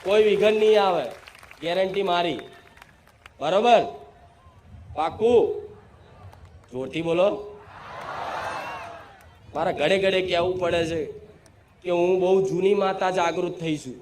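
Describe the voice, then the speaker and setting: A man, a spiritual medium preaching to a crowd in a forceful, declamatory manner. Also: high voice, unhurried, pauses often. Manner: commanding, declamatory, leads call-and-response chanting. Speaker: spiritual medium speaking as the goddess. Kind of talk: possessed devotional sermon to a crowd. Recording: echoey room with faint ambient noise.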